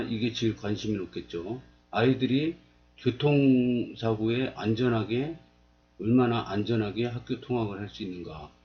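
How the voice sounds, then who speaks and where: A man in his fifties explains a map to his viewers in a plain, steady voice at a middle pitch. He often asks rhetorical questions and then answers them himself. The recording sounds slightly dull and lo-fi. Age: 50s. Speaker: video blogger. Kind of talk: explaining while pointing at a map.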